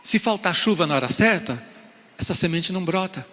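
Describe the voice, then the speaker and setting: A man's voice: sits high, animated, fairly quick, sharp tone, big-room sound. A man preaching a sermon to his congregation as pastor, asking rhetorical questions and often calling for an "amém". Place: church sanctuary.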